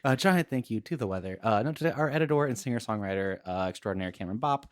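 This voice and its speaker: A man's voice: on the low side, lively intonation, fast. A man co-hosting a podcast in a casual, joking and appreciative way. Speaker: podcast co-host.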